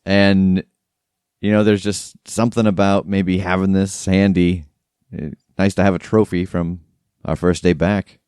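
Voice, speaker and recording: A man's voice: deep voice, little pitch movement, unhurried, darkish tone, smooth, dry recording, clean studio sound. A man playing a tabletop game, chatting casually as he describes his moves.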